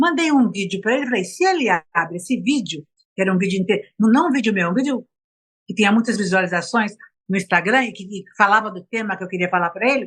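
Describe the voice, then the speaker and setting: Racing at a very fast pace, a woman speaks with very wide pitch swings. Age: 70s. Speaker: motivational speaker and author. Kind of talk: interview. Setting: radio.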